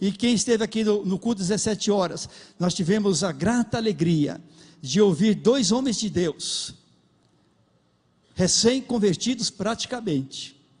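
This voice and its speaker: This man speaks in a high pitch at a fairly slow pace. Long pauses come frequently. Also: ordinary pitch variation. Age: 60s. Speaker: preacher. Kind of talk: sermon. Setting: church.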